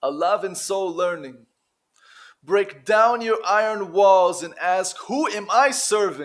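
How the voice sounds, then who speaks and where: A man at a high pitch and a very slow pace, with big swings in loudness. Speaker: spiritual teacher. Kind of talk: slam poetry performance.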